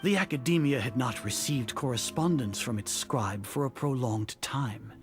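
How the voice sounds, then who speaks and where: An actor playing an imperious older grand sage in a video game, a cold schemer who speaks formally, deliberately and with condescension. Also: male voice, medium pitch, lively intonation, lightly acted. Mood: condescending, accusing. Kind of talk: scripted video game voice acting. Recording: game dialogue over loud music.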